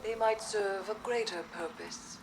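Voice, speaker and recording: A woman playing a severe, cryptic mystic in a video game, speaking in a solemn, ominous, measured way. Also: mid-range voice, fairly even intonation, background noise, close to an everyday voice. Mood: cool. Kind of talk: video game dialogue acting. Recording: music behind the voice.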